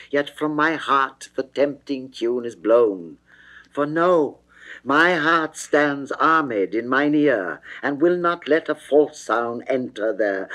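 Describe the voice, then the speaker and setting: Man acting a proud, indignant young man, slow declamation. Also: a little high. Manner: emphatic, declamatory, measured. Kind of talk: classical dramatic verse reading.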